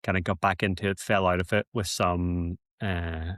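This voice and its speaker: A man's voice: low-pitched, flat delivery, normal speed, fairly bright tone, smooth, no echo, studio quality. A man, chatting as a coaching client, hesitant with many ums and restarts. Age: 30s. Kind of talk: casual chat on a call.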